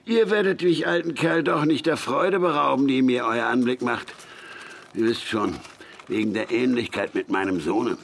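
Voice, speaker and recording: A man's voice: medium pitch, moderate pace, vocal fry, a little hiss or hum, lightly acted. An actor playing a jovial old frontier gunsmith, hearty and teasing with his young friend. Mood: teasing, delighted. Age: older. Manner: hearty, teasing, rising excitedly. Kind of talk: radio play acting.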